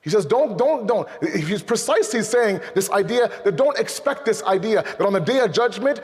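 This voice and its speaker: A man giving a sermon in English, animated, asking rhetorical questions and slipping Urdu and Arabic phrases into his talk. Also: high voice, fairly quick. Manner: animated, acts out imagined dialogues, rhetorical questions. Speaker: speaker at a Muharram night program. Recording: long hall reverb.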